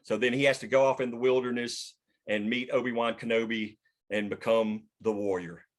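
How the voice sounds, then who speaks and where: Male writer-host, casual group discussion, halting mid-sentence pauses, mildly profane. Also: mid-range voice, steady tone. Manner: halting, pausing mid-sentence to find words. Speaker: writer and host leading a table read.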